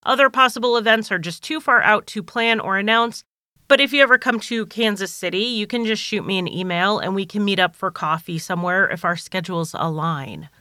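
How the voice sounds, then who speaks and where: Bright-voiced woman podcast host, a bit sinusy. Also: mid-range voice, brisk, dry recording, studio quality. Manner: chatty and organized, talks straight to listeners. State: recovering from a cold, slightly nasal. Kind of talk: casual solo podcast monologue.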